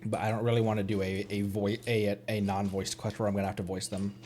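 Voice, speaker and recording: A man's voice: lowish voice, level tone, quick pace, darkish tone, soft background music. A man doing casual live game commentary, playfully muttering to himself and chatting to his viewers. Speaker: streamer.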